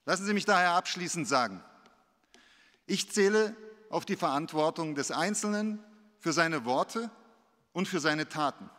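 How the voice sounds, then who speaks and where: A man's voice: fairly high pitch, lively intonation, pushed and bright. Earnest man speaking in a reverberant hall. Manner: earnest, measured, rhetorical. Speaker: invited business speaker. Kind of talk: formal speech to a city council. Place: large council hall, at a lectern. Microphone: lectern gooseneck microphone.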